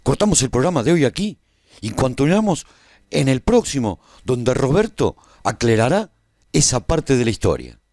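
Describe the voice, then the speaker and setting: A man's voice: mid-range voice, sing-song, normal speed, darkish tone, dry recording, clean studio sound. An actor playing a male resistance veteran who narrates a post-apocalyptic war in a scripted radio serial. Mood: matter-of-fact.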